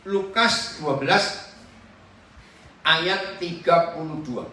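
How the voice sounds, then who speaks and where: A man's voice: a little high, extremely slow, sharp tone, slight background noise. A man preaching a sermon as pastor, questioning and joking with his congregation. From Papua. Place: church hall. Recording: very echoey hall, voice from far off.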